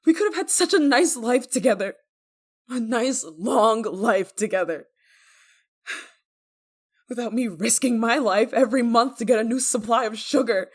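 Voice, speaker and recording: A high-voiced woman acted by a female performer plays an obsessive yandere lover in an emotional audio roleplay. She is desperate and guilt-ridden, pleading in halting phrases that often stumble and stammer. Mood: bitter, sorrowful. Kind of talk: ASMR roleplay monologue, emotional acting.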